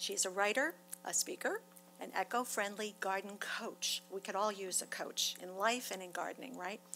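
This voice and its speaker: A woman at a moderate pace with ordinary pitch variation, music playing in the background. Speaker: garden club program chair. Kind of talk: speaker introduction. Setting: stage with audience. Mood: warm, lightly humorous. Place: meeting room. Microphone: podium.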